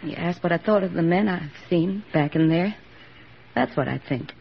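A woman's voice: on the low side, normal speed, creaky, a little hiss or hum. A woman playing an earnest young army nurse in a 1940s radio drama, speaking with heartfelt sincerity. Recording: dull old radio broadcast recording.

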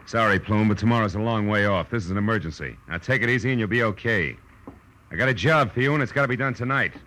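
An actor playing a tough, wisecracking private eye in a 1940s radio detective drama, brisk and commanding. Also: male voice, fairly low pitch, bright, forceful tone, slight background noise. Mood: tough, pushy.

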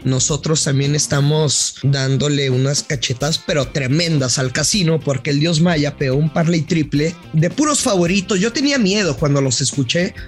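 A man's voice: fairly high pitch, moderate pace, hardly any pauses, faint music behind. A man with a Mexican Spanish accent presenting a betting segment on a sports podcast, chatty and upbeat.

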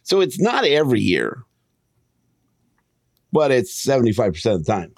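A man's voice: medium pitch, sing-song, moderate pace, vocal fry, no echo, clean studio sound. A man co-hosting a sports podcast, moving between casual banter and informal ad reads.

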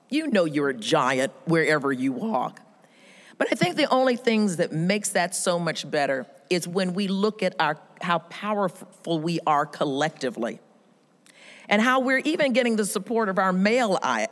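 A woman gives a motivational talk, her voice rising and falling in wide, animated swoops. She speaks in a fairly low register and tells stories with emphasis. Her voice carries with the long reverb of a large hall. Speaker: speaker at a women's event. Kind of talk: motivational speech.

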